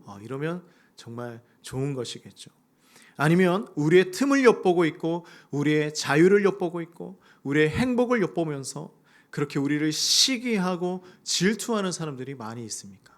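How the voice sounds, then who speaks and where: A man's voice: a little high, big pitch swings, moderate pace. A male pastor preaching a sermon, acting out prayers in a raised voice. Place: church sanctuary.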